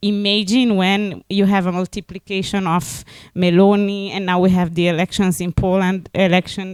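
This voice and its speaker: A woman with an Italian accent and a medium pitch speaks at a moderate pace with fairly even intonation, in a dry, close sound with no echo. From Italy. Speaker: European party official. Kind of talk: panel discussion. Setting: hybrid event, office and online. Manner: halting.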